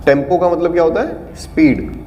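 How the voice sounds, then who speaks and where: A man with a fairly high, brisk and slightly mellow voice runs an acting class in a studio room. He explains the audition process patiently and tries out lines in different tones and at different volumes, while the room echoes and faint background noise can be heard.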